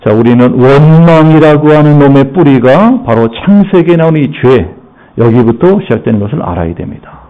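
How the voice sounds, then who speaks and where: Pastor preaching a lively sermon, gravelly voice, kinda dull lo-fi church audio. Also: male voice, a little high. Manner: lively preaching with rhetorical questions.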